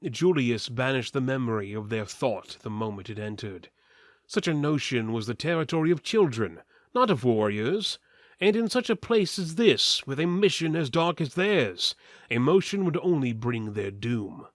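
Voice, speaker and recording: A man's voice: mid-range voice, sing-song, normal speed, dry recording, clean studio sound. A man giving a dramatic, mock-epic reading of a fantasy tale as its narrator. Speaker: narrator, reader.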